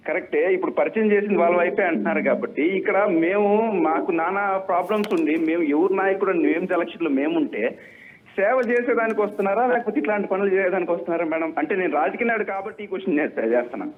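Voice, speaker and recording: Fast-talking male caller on a tinny phone line. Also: sits high. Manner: hesitant, halting, repeats himself.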